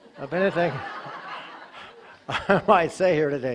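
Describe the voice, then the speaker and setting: A man's high-pitched voice with lively intonation. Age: 80s+. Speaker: retired university president. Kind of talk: panel presentation.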